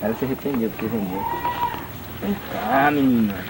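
A man's voice: medium pitch, normal speed, very noisy. A Brazilian man chatting casually while filming outdoors on a camcorder, heard on old worn home-video tape. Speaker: amateur camera operator filming family. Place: outdoors in a rural yard. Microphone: camcorder microphone.

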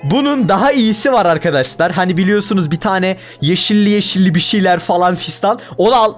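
Excitable high-voiced young man gamer. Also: a little fast, faint music behind. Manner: excitable, exaggerated frustration, talks to himself. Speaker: gaming YouTuber. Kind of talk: casual gameplay commentary.

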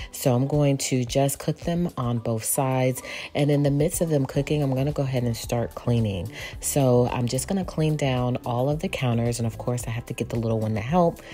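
Vlogger mom, forties, very low warm-toned voice, relaxed chatty delivery, light music underneath. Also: female voice. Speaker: lifestyle vlogger. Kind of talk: casual cook and clean narration. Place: home kitchen. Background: soft background music.

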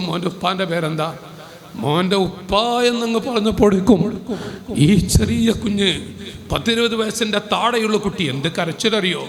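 A man preaching a storytelling sermon, dramatic and fervent, rising at key moments. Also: high-pitched. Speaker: Islamic preacher. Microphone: live PA microphone. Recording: long hall reverb.

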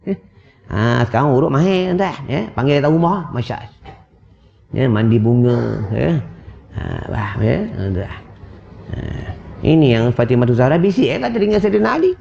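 Animated Malay preacher with a gravelly voice. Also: male voice, mid-range voice, moderate pace, dull audio, a little hiss or hum. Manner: animated, teasing, acts out wives' voices. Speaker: religious preacher. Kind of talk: lively sermon. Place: mosque prayer hall.

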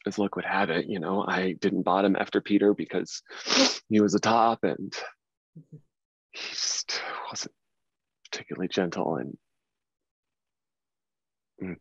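A man's voice: low-pitched, measured pace, pauses often, slightly rough, exaggerated voice. A man acting a grieving, well-to-do gay man in his late thirties at a table reading, speaking hesitantly and repeating words. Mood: halting, subdued. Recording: dull, roomy sound.

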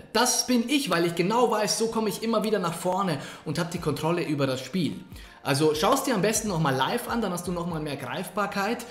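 Man, gaming coach, animated pitch, energetic, direct address, echoey room, faint music behind. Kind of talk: tutorial commentary over gameplay. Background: faint background music.

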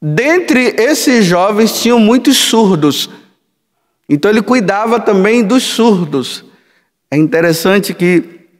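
A man in his sixties, a priest giving a storytelling homily in a large church sanctuary on a headset mic, gesturing broadly as he speaks. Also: sits high. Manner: slow, storytelling, sweeping hand gestures. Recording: long hall reverb.

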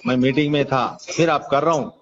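A man's voice: mid-range voice, fairly even intonation, a little fast, fairly bright tone, slight background noise. A man with a Hyderabadi accent questioning someone over the phone like a police officer, brusque and insistent. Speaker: caller saying he is a police sub-inspector. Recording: dull, lo-fi phone call recording.

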